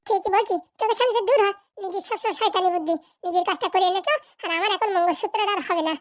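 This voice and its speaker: A woman's voice: very high-pitched, very fast, dry recording, studio quality. A woman voicing a bossy, foul-tempered, scheming village woman in a comic cartoon, scolding and threatening in a rural Bengali dialect. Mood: angry scolding.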